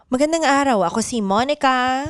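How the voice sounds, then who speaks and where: A woman's voice: high voice, moderate pace, over music. A woman hosting an improv comedy show and narrating its radio drama into a close studio microphone.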